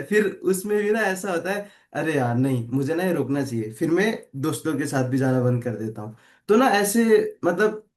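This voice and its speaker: A man in his twenties sharing a personal struggle with a group, pausing and searching for words. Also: a little high. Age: 20s. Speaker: participant sharing a problem.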